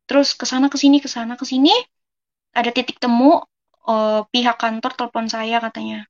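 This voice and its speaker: A woman's voice: on the high side, level tone, brisk, dull audio. Earnest young woman telling her story. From West Java, Indonesia. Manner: earnest, keeps addressing listeners as friends, acts out dialogue. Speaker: testimony speaker. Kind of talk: personal testimony, casual storytelling.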